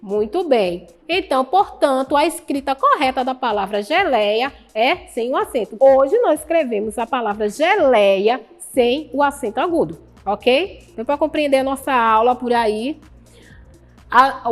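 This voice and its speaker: Brazilian woman teacher, high voice, patient, quizzes and praises students, faint music behind. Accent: Brazilian Portuguese. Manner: patient, asks the class questions and praises answers. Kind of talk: recorded online Portuguese lesson.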